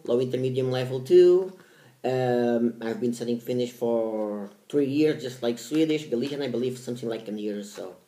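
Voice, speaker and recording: In an echoey room, a mellow mid-range male voice belongs to a language learning vlogger in his 30s, a native Portuguese speaker. He talks casually to camera about his language studies, halting and repeating himself as he restarts phrases. Each language name gets noticeable stress.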